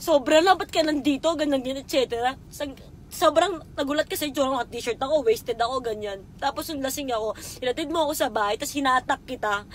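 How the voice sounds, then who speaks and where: A woman's voice: high voice, fast, fairly bright tone, a little hiss or hum. A young woman telling a painful personal story straight to someone, emotional and swearing as she speaks. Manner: raw and emotional, swearing, addressing someone directly. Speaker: vlogger. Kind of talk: emotional confessional monologue.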